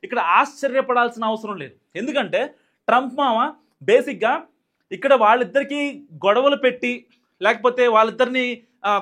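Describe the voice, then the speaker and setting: Speaking in an extremely high, slightly bright voice, this Telugu-accented man gives rapid, forceful commentary on political news, peppered with fillers and restarts.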